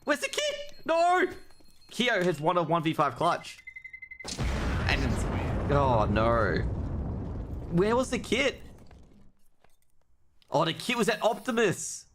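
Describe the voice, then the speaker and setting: Sitting high with huge pitch swings, this man's voice is slow and often pauses. He offers casual, jokey live commentary on an esports match while chatting informally with viewers. Background noise and clicks are clearly heard.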